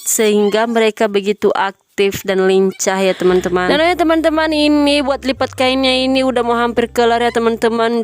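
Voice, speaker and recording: A woman in her twenties, a housewife vlogger, narrating her day in a friendly, chatty way and constantly addressing her viewers. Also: fairly high pitch. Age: 20s.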